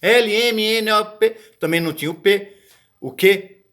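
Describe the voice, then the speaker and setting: A man's voice: sits high, unhurried, a bit bright. A man giving a casual video lesson on botanical Latin, chatty and often searching for words. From Brazil. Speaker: botany teacher.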